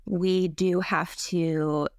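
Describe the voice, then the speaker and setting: A woman's voice: lowish voice, flat delivery, very slow, a little mellow, no room sound, studio quality. A woman in her thirties, a renter, speaking hesitantly with fillers about her costs. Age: 30s. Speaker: interviewed renter. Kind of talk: interview testimony.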